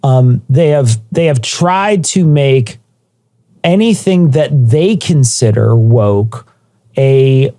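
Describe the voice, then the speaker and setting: A man's voice: medium pitch, takes it slowly, no room sound. A man co-hosting a podcast, mocking and profane in casual chat. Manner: profane, mocking, animated rants. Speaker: podcast co-host.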